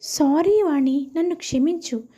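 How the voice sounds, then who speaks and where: A woman's voice: sits high, measured pace, mellow. A woman voicing a reproachful, status-conscious elder daughter-in-law who chides others in a family story. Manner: chiding.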